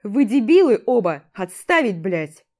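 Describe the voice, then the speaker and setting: A woman's voice: medium pitch, sing-song, unhurried. A woman reading an audiobook voices a furious, sarcastic male army commander who barks orders. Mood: yelling. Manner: barking orders, yelling.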